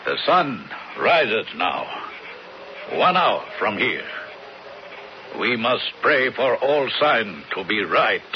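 A man's voice: lowish voice, very animated, slow pace, long pauses. An actor playing a wary, devout Native American man in a radio drama, speaking solemn, formal broken English. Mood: solemn, grave. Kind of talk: 1970s radio drama acting. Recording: muffled noisy old radio broadcast.

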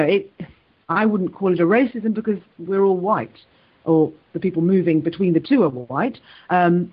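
A woman's voice: on the low side, slightly rough, dull audio. A British woman, a university professor, giving careful, hesitant answers with frequent restarts in an interview. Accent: British English. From United Kingdom. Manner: measured, hesitant, many restarts and fillers. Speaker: guest professor.

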